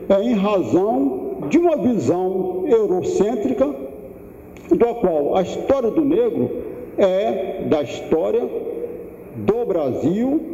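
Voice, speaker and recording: A man in his seventies giving an unhurried, thoughtful lecture, pausing and restarting as he goes. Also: high-pitched, warm tone. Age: 70s. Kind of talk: public lecture. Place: large lecture room. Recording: echoey hall, dull lo-fi sound.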